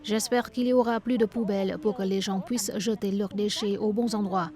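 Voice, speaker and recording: A woman's voice: medium pitch, fairly even intonation, a little fast, mellow, lightly acted. A woman reading a voice-over translation of a street interview in a news report.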